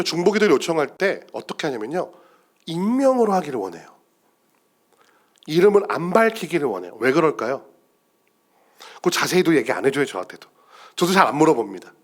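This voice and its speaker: A male pastor giving a sermon in a church, emphatic and swinging between loud declarations and hushed asides. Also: on the high side.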